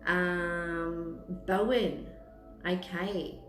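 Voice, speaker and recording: A woman's voice: lowish voice, fairly even intonation, drawn-out words, faint music behind. A woman in her fifties with an Australian accent, chatting casually to live viewers as a host and thinking aloud in a hesitant, rambling way. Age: 50s. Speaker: tea room host, psychic palm and tea leaf reader. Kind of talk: casual chat in a live stream, answering viewers. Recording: roomy echo with clear background noise.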